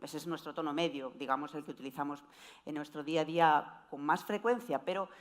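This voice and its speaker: Lively woman giving a voice talk. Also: fairly quick. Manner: explanatory, lively pitch swings. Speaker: voice coach speaker. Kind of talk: presentation talk.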